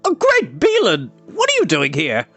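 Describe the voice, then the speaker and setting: A man voicing an excitable, boastful wandering bard who talks in a breathless rush. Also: high-pitched, moderate pace, no room sound, soft background music, voice pushed up. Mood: excited.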